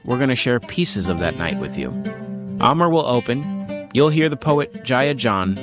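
A radio station manager, a man, reading a scripted introduction in a measured, even way. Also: mid-range voice. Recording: read over guitar music.

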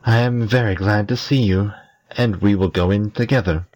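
A man voicing a lazy, languid young man who speaks slowly and listlessly, with a husky voice. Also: on the low side, darkish tone, close to an everyday voice. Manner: slow, listless.

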